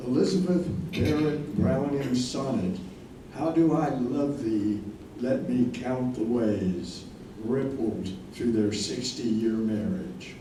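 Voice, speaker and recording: A man narrating a staged reading in a measured storytelling manner. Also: medium pitch, natural voice. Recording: very echoey, distant, noisy hall recording.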